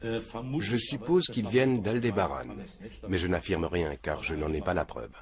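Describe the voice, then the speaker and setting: An older man with a very low voice speaks with calm certainty, never thrown by a question. A murmur of voices runs under him. He sounds seated and close, in a small indoor room. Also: unhurried, crowd noise. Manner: matter-of-fact, earnest, unshaken by questions. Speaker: interviewee. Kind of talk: documentary interview. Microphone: film crew mic off camera.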